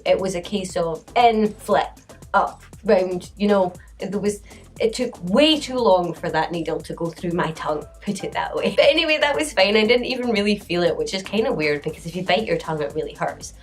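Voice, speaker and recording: Chatty woman with a lowish voice. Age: late 20s. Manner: chatty, laughs often between sentences. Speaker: vlogger. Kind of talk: storytime vlog.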